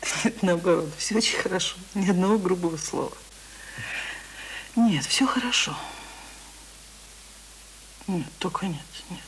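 A woman playing a tender, anxious village mother in a radio drama, speaking in a hushed, sighing, folksy way. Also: fairly low pitch, measured pace, pauses often, slight background noise, lightly acted, poor audio. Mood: troubled, firm. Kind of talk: Soviet-style radio drama acting.

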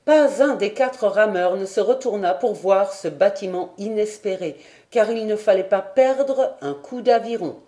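A woman's voice: medium pitch, a little slow, dark tone. A woman narrating a classic adventure novel as an audiobook, reading expressively and dramatically. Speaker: audiobook reader.

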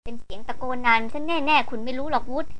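A woman's voice: sits high, fast talker, fairly bright tone. A woman reading the lines of a young woman chemist who talks breathlessly and urgently. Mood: excited. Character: excited young woman chemist lost in cave.

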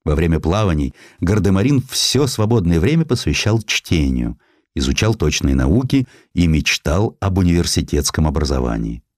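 A man with a very low voice narrates a literary historical piece. His intonation rises and falls widely in an expressive, measured storytelling way. The recording is dry and close, with very little room sound. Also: no echo. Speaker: audiobook narrator.

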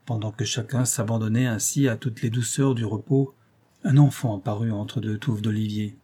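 A man reads a classic adventure novel aloud as an audiobook, in the first person. His voice is mellow and warm. He reads expressively and lifts his voice whenever a character speaks. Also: on the low side, moderate pace, breathy edge. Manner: expressive reading, lifting his voice for quoted speech. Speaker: audiobook narrator. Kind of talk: scripted narration of a classic novel.

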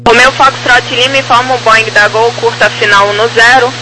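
A Brazilian air traffic controller giving formal, clipped clearances over aviation radio, reading numbers out digit by digit. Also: mid-range voice, steady tone, moderate pace. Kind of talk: clipped procedural radio commentary. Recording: noisy radio transmission with hum.

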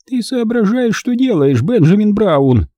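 A man's voice: high-pitched, very animated, unhurried, dark tone, no room sound, clean studio sound, pitched above the performer's own voice, full character voice. A male reader voicing a stern, disapproving old grandmother who snaps and scolds. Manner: snapping and reproachful.

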